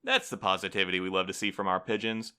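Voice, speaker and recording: An actor playing a prim, officious postal supervisor in an audio drama, formal, polite and unflappable. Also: male voice, low-pitched, steady tone, quick pace, pushed and bright. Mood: brightly condescending. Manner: formal, bureaucratic, smoothly evasive.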